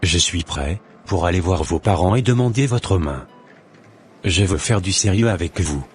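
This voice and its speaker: A man voicing a serious young Christian suitor in an animated film, speaking in a formal, earnest way. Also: sits low, moderate pace, soft background music.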